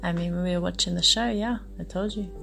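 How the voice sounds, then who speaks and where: A woman with a gravelly, creaky voice answers in a coy, laughing way during a casual flirty chat. Faint music plays behind her. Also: lowish voice, fairly even intonation, fast, a bit bright.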